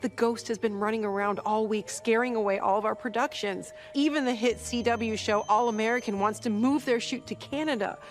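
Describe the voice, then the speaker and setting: A woman's voice: on the high side, steady tone, fairly quick, hardly any pauses, close to an everyday voice. A woman playing an earnest TV reunion presenter in scripted comedy dialogue.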